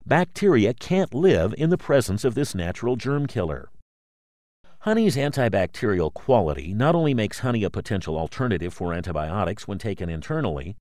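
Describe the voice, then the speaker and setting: A man reading a scripted promotional explainer as a voice-over, in a polished, measured announcer's manner. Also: medium pitch, darkish tone, dry recording, clean studio sound. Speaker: voice-over narrator.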